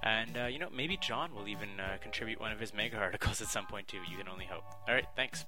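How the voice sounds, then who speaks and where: A man's voice: lowish voice, fast talker, over music. A man hosting a podcast, telling a story in casual chat, laughing and swearing a lot. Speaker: podcast host.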